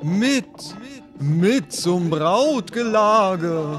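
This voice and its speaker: A man's high-pitched voice, very slow, with lively intonation and music in the background. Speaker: narrator. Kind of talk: poetry reading.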